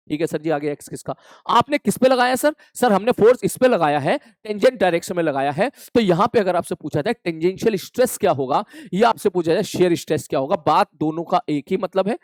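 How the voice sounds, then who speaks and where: A man teaching physics in an exam revision lecture, energetic and talking straight to his students, often answering his own questions in their voice. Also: high voice, fast talker, no room sound. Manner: energetic, addresses students as "bhai sahab".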